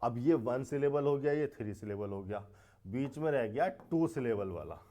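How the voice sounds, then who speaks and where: A man's voice: medium pitch, animated, moderate pace, dark tone. A man teaching an English grammar lesson, explaining step by step with repeated words and rhetorical questions.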